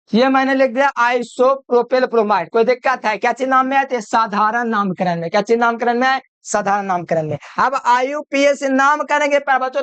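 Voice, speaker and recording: A man's voice: very high voice, fairly bright tone, clear, resonant tone, no echo. A man giving a chemistry video lecture, repeating each point and quizzing the listener with call-and-answer questions. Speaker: chemistry teacher. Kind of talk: classroom-style video lecture.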